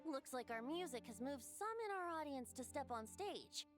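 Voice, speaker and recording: A woman playing a youthful, playful boyish wind spirit bard in a game, speaking in a gentle, poetic and theatrical way. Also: sits high, animated, normal speed. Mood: playful, polite. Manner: lilting, theatrical, politely poetic. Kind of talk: game character dialogue. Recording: music behind the voice. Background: music.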